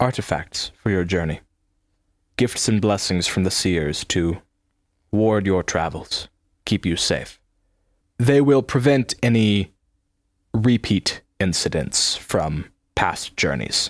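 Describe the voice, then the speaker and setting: On a very clean recording with a silent background, a man does a put-on robotic character voice at a fairly low pitch with lively intonation, moving at a fairly slow pace with long, frequent pauses. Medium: actual play. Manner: solemn, formal.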